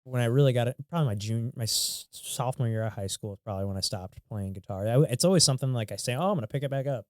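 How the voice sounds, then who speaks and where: Fast-talking male podcast host. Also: mid-range voice, darkish tone, no room sound, studio quality. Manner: brisk and friendly, filler-heavy with "like" and "you know". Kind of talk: casual podcast chat and host reads. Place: podcast studio.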